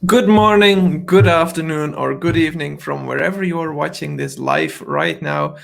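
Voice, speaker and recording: A man's voice: fairly high pitch, steady tone, moderate pace, vocal fry. A man hosting a live online show, greeting viewers and asking his guest short questions. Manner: friendly, asks short questions. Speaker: host. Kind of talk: livestream hosting.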